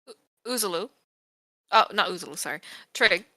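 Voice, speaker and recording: A woman's voice: fairly low pitch, animated, fairly quick, sharp tone, no echo. A woman chatting casually as a player in a tabletop role-playing game.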